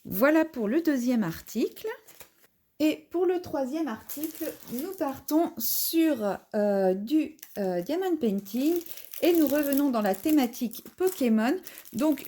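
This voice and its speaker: A woman with a somewhat high, soft and mellow voice hosts a casual unboxing vlog at home. She chats as she walks through each item one by one. Her delivery is relaxed and conversational. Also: measured pace. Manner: chatty, describing each item as she unpacks it. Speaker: craft vlogger.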